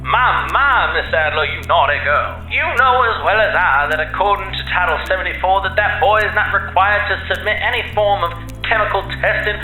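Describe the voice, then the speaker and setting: An actor playing a smug, condescending defense lawyer in an audio drama, with a folksy, theatrical Southern drawl. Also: male voice, high voice, fairly quick, few pauses, sharp tone. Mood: smug, playful. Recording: roomy echo, faint music behind.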